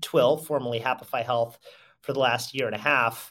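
In an American accent, a man with a plain, everyday voice talks fairly quickly at a medium pitch, his intonation fairly even. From Connecticut, US. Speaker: health tech sales executive. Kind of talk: interview.

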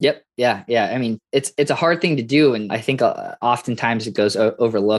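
With an American accent, a man speaks at medium pitch with ordinary pitch variation at a fairly quick pace in a dry, close sound with no echo. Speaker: tech startup founder. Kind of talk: interview. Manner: fast; energetic.

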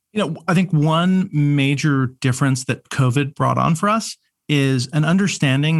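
Ordinary pitch variation marks a plain, everyday voice delivered at a moderate pace. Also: man. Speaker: company founder or CEO. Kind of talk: interview. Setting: office.

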